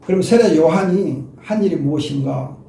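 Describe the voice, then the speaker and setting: A man's voice: on the high side, normal speed, dark tone, echoey room, far from the mic. An older man preaching an expository sermon as a pastor, emphatic and speaking directly to his listeners.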